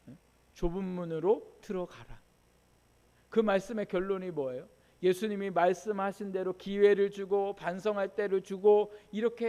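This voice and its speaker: High-voiced male pastor, echoing church. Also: warm tone. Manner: conversational preaching with rhetorical questions and personal stories. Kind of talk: sermon. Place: church sanctuary. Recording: church hall with long reverb.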